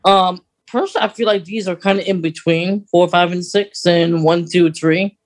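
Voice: mid-range voice, fairly even intonation, moderate pace. A podcast co-host chatting casually about a radio drama, explaining things in a rambling, hesitant way.

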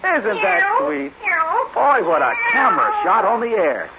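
Brash, wildly animated American radio showman. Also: extremely high pitch, measured pace, full character voice. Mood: playful, cooing. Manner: glib, showy, wheedling. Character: brash, excitable male TV comedian and game show host. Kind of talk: 1950s radio drama acting. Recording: dull, noisy old radio recording.

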